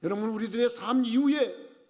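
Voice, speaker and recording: An older man, a senior pastor, preaching a sermon with animated storytelling and acted-out shouts. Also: very high voice, moderate pace.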